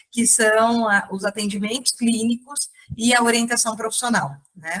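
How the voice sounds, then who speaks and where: Speaking very slowly, a woman with a Minas Gerais accent uses a fairly high pitch. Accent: mineiro Brazilian Portuguese. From Brazil, Minas Gerais. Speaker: psychologist and lecturer. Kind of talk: lecture. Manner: hesitant, many fillers.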